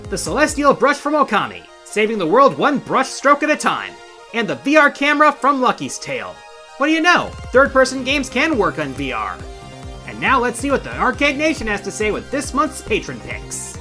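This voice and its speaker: Middle-aged man, countdown show host, scripted narration, very lively intonation, forceful bright tone, faint music behind. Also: sits high. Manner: emphatic, playful showman delivery.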